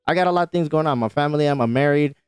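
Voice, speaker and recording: A man's voice: fairly high pitch, rapid-fire, darkish tone, clean tone, no room sound. A man co-hosting a podcast and chatting casually, a father and husband who rambles loosely, swears freely and keeps asking "you know what I mean". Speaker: podcast co-host.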